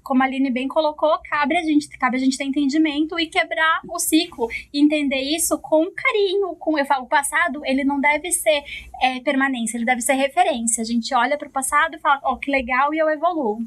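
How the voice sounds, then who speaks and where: A Brazilian woman psychologist speaking calmly on a podcast, explaining ideas and acting out quoted dialogue. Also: sits high, fairly quick, no room sound. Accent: Brazilian Portuguese. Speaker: psychologist guest. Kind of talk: casual podcast conversation.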